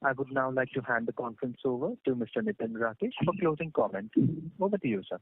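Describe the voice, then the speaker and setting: A man's voice: mid-range voice, very animated, quick pace, gravelly, slightly rough, dry recording. A man moderating a conference call as the operator, formal and polite in a scripted style over a telephone line. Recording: dry narrowband phone line.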